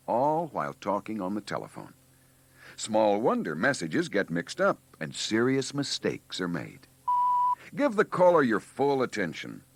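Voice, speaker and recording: A man's voice: mid-range voice, a little hiss or hum. A man reading scripted narration for a 1980s training filmstrip, with a preachy, wry delivery.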